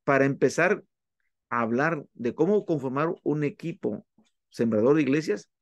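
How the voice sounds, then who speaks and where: A man delivers a classroom lecture in a steady, methodical way, going through lists item by item with short pauses between them. His voice has a gravelly edge. The recording is dry and close, with no room sound. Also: mid-range voice, no echo, highs cut off. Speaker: instructor. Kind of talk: classroom lecture on church planting.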